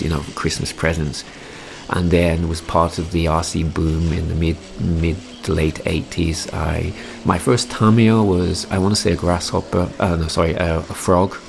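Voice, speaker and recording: Gravelly, deep-voiced English man. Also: slight background noise. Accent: English Midlands, softened by years abroad. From England, Derby. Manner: rambling, many ums and restarts. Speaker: RC hobby YouTuber. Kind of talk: casual voice-over commentary.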